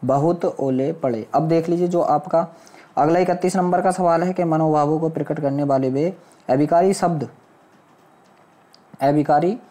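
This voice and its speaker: Male tutor, dark soft-edged tone, walks through test questions didactically, posing and answering them himself. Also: fairly high pitch. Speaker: exam coaching teacher. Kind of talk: explanatory test-prep lesson, question by question. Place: voice-over on a screen recording.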